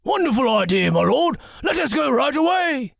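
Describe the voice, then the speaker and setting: A man voicing a big, loyal, formal bodyguard with a gravelly, husky voice. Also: very high voice, very animated, normal speed, fairly bright tone, no echo, studio quality, voice pushed up, full character voice. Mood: dutiful. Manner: formal and dutiful, calls his master "my lord".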